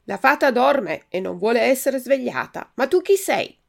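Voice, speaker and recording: A woman voicing a slow, calm female snail in a storybook reading, with a gravelly edge. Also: on the high side, pitched above the performer's own voice, heavily acted. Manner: unhurried, calm.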